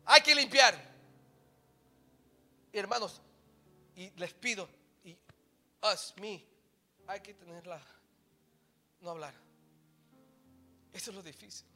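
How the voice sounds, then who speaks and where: A Latino-accented man preaches a bilingual sermon, his high voice rising into forceful shouts and dropping to low, quiet emphasis. His tone is piercingly bright, and faint instrumental music plays behind him. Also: slow, pauses often. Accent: Latino Spanish. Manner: switches between Spanish and English mid-sentence. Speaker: pastor.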